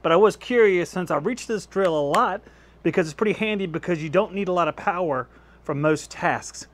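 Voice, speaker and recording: A man with a slightly high voice talks a little quickly as he tests tools in his home workshop, its shelves lined with power tools. He's a YouTube host doing a casual hands-on review, chatty and easygoing, laughing at his own results into a clip-on lapel mic.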